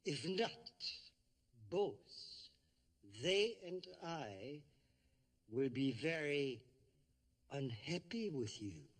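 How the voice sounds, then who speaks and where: A man's voice: on the high side, big pitch swings, extremely slow, long pauses, heavily acted. An actor playing a demanding alien male tour operator in 1960s TV sci-fi acting, stiff and threatening. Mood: stern.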